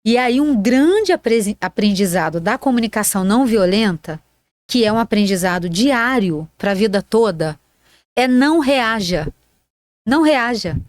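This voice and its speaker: A woman's voice: on the high side, lively intonation, a little slow, no room sound, clean studio sound. A woman co-hosting a casual podcast, speaking earnestly and emphatically, with many fillers. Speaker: podcast co-host.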